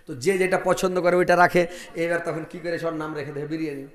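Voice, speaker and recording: A male Islamic preacher giving a lively, joking village sermon and acting out husband and wife dialogues. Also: fairly high pitch, fast, echoey room.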